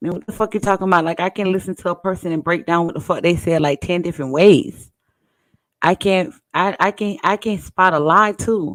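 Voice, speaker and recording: A woman talks at a fairly quick pace in a Southern US accent, her pitch varying in an ordinary way. The sound is dry and close with no echo, on a very clean recording with a silent background. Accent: Southern US accent, country. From South Florida. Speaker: livestreamer. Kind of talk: livestream monologue.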